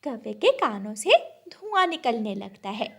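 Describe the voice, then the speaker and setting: A woman's voice: fairly high pitch, big pitch swings, unhurried, creaky, fairly bright tone, breathy edge. A woman narrating a children's cartoon story and ending with a moral and a request to subscribe.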